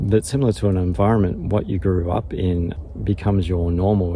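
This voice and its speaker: With an Australian accent and a very deep, low pitch, a man talks fairly quickly with ordinary pitch variation over noticeable background noise. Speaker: emotional wellbeing coach. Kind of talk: casual reflective talk to camera. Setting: outdoors. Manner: halting, with fillers and repeated words.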